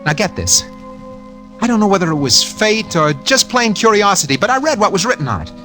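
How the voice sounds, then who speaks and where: An actor playing a scheming small-time office porter in an old radio drama, raving when drugged and sly when narrating. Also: male voice, sits high, very animated, brisk, sharp tone, soft background music, heavily acted. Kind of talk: 1940s radio acting.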